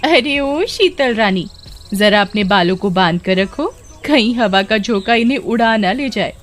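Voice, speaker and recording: एक औरत बच्चों की कहानी में ताने मारने वाली गांव की लड़कियों की आवाज़ कर रही है, जो मज़ाक उड़ाते हुए बोलती हैं।. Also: female voice, medium pitch, animated, unhurried, lightly acted. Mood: taunting. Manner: taunting, sneering. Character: mocking teenage village girls. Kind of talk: children's storybook voice acting.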